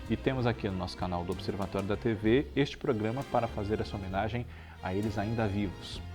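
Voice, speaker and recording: A man talks with lively intonation while music plays behind him. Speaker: TV history presenter. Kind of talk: casual talk to camera.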